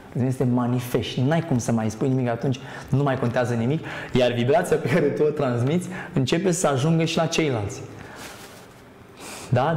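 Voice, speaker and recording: A man's voice: medium pitch, a little mellow, roomy sound, slight background noise. A man as a guest on a TV talk show, speaking earnestly about spirituality and hesitating with many fillers. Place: TV studio.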